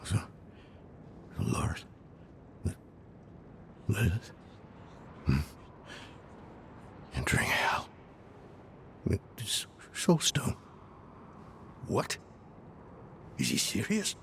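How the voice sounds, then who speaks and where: Slow, gravelly, grumpy old scholar. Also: male voice, on the low side, wildly swooping pitch, a bit bright, slight background noise, exaggerated voice. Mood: sardonic, exasperated. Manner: dry, sardonic, exasperated. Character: grumpy sarcastic old male scholar of arcane lore. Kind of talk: dramatic video game cutscene acting. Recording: music behind the voice.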